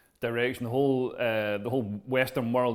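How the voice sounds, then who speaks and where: A man with a Scottish accent speaks fairly quickly with ordinary pitch variation. The recording is very clean, with a silent background. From Scotland. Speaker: comedian. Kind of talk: interview answer. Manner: conversational, hesitant.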